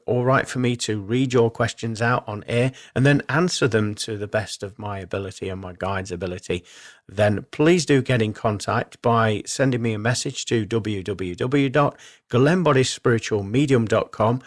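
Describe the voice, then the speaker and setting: Man hosting a spiritual radio show. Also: mid-range voice. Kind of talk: spiritual forecast and show sign-off, semi-improvised talk.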